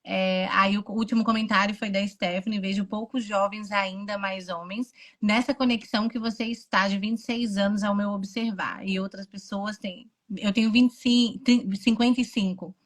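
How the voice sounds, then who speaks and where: A woman's voice: medium pitch, steady tone, normal speed, few pauses. A woman in her thirties hosting a live stream over a video call, reading viewers' comments aloud. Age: 30s. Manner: relays chat comments, reads them aloud.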